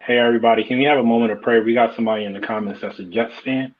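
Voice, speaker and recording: Male co-host, mid-pitched, relaxed and joking, dull lo-fi sound. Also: very fast. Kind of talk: casual panel chat.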